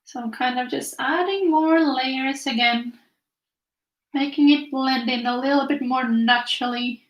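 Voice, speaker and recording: Young woman, Finnish accent, high-ish voice, relaxed live-stream chatter, roomy echo. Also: unhurried. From Finland. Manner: chatty, reads viewer comments aloud. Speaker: art teacher streaming live. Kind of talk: casual chat while painting.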